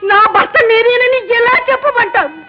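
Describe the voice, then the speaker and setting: A woman's voice: very high voice, animated, normal speed. An actress playing a grieving mother who pleads tearfully with her son, in an old film melodrama. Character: grieving mother hiding her son's parentage. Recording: dull old film soundtrack with music.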